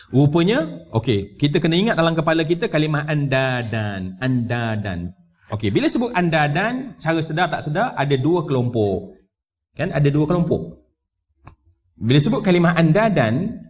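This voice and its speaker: A man with a Malaysian Malay accent teaching a conversational Quran commentary class in a mosque, asking his listeners questions and dropping in English words. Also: a little high. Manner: animated, conversational, asks the audience questions and mixes in English words. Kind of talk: mosque lecture. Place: large mosque hall. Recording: dull livestream audio from a mosque.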